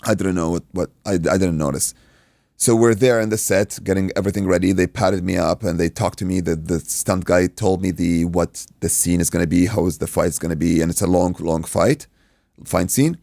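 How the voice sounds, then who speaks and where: A man from Iraq, a native Arabic speaker, telling an animated anecdote in casual podcast chat, acting out dialogue and swearing freely. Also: deep voice, normal speed, creaky, dry recording. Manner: acts out dialogue, swears, says "dude". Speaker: podcast guest, martial arts coach and stunt performer.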